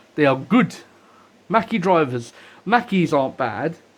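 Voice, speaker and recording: A man at a moderate pace, with a British accent. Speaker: audio gear reviewer. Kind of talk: product review. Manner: animated.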